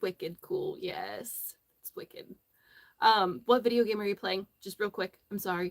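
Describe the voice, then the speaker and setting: A woman with an American accent at a moderate pace, big swings in loudness, and a dry, close sound with no echo. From Western Massachusetts. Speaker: crochet livestreamer. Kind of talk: casual livestream chat. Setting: livestream.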